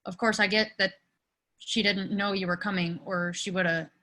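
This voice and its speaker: A woman's voice: medium pitch, steady tone, moderate pace, sharp tone, lightly acted. A woman playing a nervous, lovesick teenage boy in a comedy table read, with a hesitant, stammering manner. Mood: flustered.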